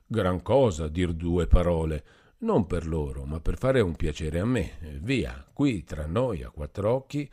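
A man's voice: deep voice, mellow, full character voice. A man voicing a sly middle-aged innkeeper who talks in a wheedling, persuasive way. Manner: wheedling, then brusque. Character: wily middle-aged male innkeeper, coaxing.

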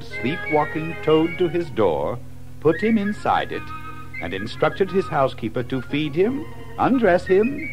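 A man narrating a scripted children's story as an expressive storyteller. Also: mid-range voice, low-quality recording.

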